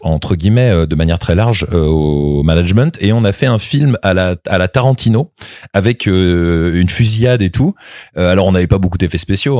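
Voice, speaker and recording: A man's voice: deep voice, a little mellow, no echo, clean studio sound. A man in his thirties, a voice actor being interviewed, talking casually with many fillers and restarts. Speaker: voice actor guest.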